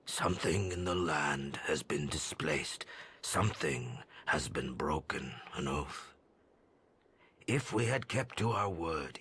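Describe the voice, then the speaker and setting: Deep gravelly old tribal elder. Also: male voice, a bit bright, a little hiss or hum, exaggerated voice. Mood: solemn regret. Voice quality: gravelly, breathy. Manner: slow, weighty, portentous. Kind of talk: solemn dramatic game cutscene monologue.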